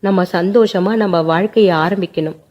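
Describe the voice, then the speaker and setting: A woman's voice: medium pitch, fairly even intonation, moderate pace, a little mellow, dull audio, lightly acted. A woman voicing a remorseful, tearful young man who pleads with the woman he loves, in a told family story. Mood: comforting. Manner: pleading, sobbing delivery. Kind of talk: storytelling narration.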